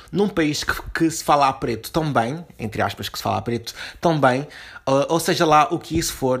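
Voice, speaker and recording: A man's voice: medium pitch, husky. A young man from Portugal, hosting a podcast from home in a slangy, casual monologue full of fillers and restarts. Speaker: podcast host. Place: home room.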